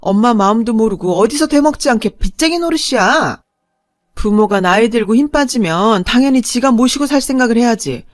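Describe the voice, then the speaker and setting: A woman voicing a harsh, domineering older mother who berates her daughter in a loud, shrill voice. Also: very animated, moderate pace, dry recording, clean studio sound. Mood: scolding.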